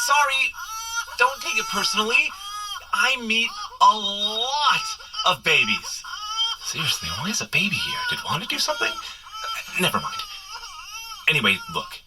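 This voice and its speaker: An actor playing a sheepish, wisecracking hungover superhero, chatting and rambling self-deprecatingly in a comedic audio drama. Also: male voice, mid-range voice, pushed and bright, breathy edge, full character voice, low-quality recording. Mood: flustered, then wry, coaching.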